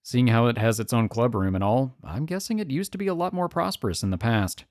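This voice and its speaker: A woman's voice: extremely low pitch, animated, fairly quick, a little mellow, no room sound, studio quality. A woman reading visual novel text aloud as a let's player, slipping in casual, wry, joking asides.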